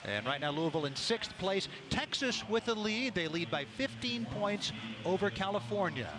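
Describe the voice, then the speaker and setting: Male play-by-play announcer, fairly high voice, factual live diving call, clear venue noise behind. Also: sing-song, normal speed. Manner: announcerly, factual scene-setting. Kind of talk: live sports commentary. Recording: noisy indoor sports venue ambience.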